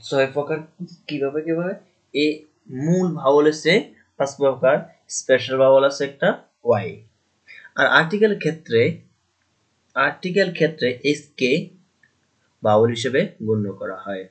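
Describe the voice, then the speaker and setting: Man, grammar teacher, asks and answers his own questions, mid pitch. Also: lively intonation, normal speed, long pauses. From Bangladesh. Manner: asks questions and answers them himself, repeats key points. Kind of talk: classroom grammar lesson.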